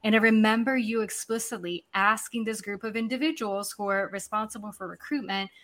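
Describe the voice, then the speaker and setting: Woman, 40s, guest on a business podcast, lively storyteller, mid-pitched voice. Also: brisk. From Serbia. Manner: animated storyteller, laughs easily, many fillers. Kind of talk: conversational business talk.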